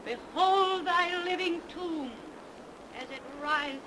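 An actor playing a stern messenger of God in 1930s radio melodrama, declaiming solemnly. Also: male voice, very high voice, slow. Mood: solemn condemning. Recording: noisy 1930s radio recording.

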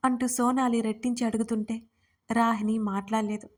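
A woman with a somewhat high voice reads an emotional story aloud. She narrates steadily and raises her intensity when the characters cry out. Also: little pitch movement, brisk. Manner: voices characters' crying lines with more force.

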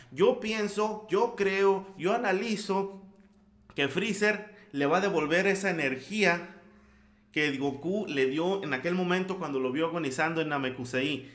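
Excitable man with a Mexican accent. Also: a little high. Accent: Mexican Spanish. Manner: slangy, excitable, makes sound effects. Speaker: anime recap YouTuber. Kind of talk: excited casual recap. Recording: roomy echo.

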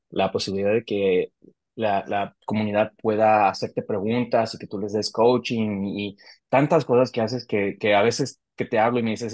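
A man's voice: on the low side, darkish tone, dry recording. A man, hosting a casual interview over a video call and talking with many hesitations and restarts. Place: home office on a video call.

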